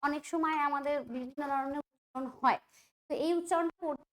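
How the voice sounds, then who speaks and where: A woman's voice: high voice, steady tone, fairly quick, a bit bright. A woman teaching an online quiz lesson, chatty and thinking aloud, often asking the students questions. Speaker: exam prep teacher.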